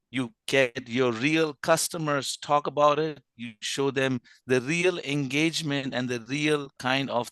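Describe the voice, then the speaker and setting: Hoarse man, meeting member, plain delivery over a dry video call. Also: medium pitch, fairly bright tone, no room sound. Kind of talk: impromptu remarks.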